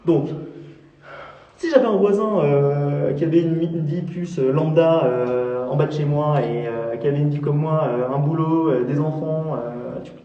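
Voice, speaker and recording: High-voiced man in his forties, arguing insistently. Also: highs cut off, faint music behind. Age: 40s. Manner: insistent, repetitive, halting phrases. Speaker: neighbour complaining about noise. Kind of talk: heated casual argument. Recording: echoey room, distant mic, faint noise.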